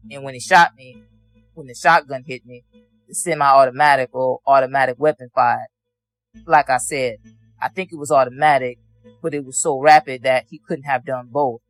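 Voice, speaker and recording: A man's voice: mid-range voice, fairly even intonation, moderate pace, fairly bright tone, no room sound, soft background music. Matter-of-fact male witness giving testimony. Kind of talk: courtroom testimony.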